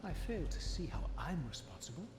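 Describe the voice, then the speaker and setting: A man's voice: on the high side, very animated, brisk, noisy background. A man playing an embittered, proud undead wraith in a scripted video game, speaking with sardonic, eloquent, theatrical disdain. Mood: coolly argumentative. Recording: echoing room under loud music.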